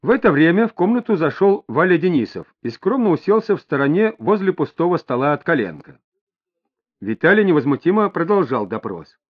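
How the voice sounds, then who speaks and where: A man narrating an audiobook in measured storytelling. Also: on the high side, big pitch swings, husky. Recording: dull lo-fi audio.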